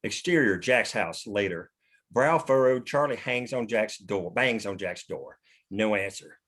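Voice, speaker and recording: A man's voice: lowish voice, animated, measured pace, a bit bright. A man narrating the stage directions of a screenplay at a table read.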